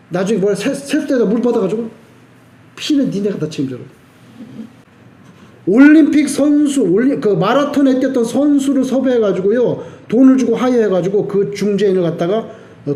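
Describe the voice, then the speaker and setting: Animated high-voiced male pastor preaching. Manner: animated storytelling, acting out quoted lines with sudden shouts. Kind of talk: sermon. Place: church sanctuary. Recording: echoey church sanctuary.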